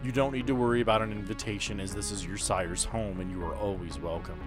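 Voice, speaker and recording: A man acting as game master, narrating a tabletop role-playing game in a deliberate, descriptive way with pauses mid-sentence. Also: lowish voice, steady tone. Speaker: game master and host of an actual-play podcast. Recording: background music under the voice.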